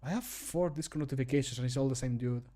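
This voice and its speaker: A man's voice: medium pitch, fast talker, dark tone. A man in his thirties chatting casually on a livestream in a jokey, self-deprecating, sweary way. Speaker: streamer recording mod voice lines. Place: indoor home room.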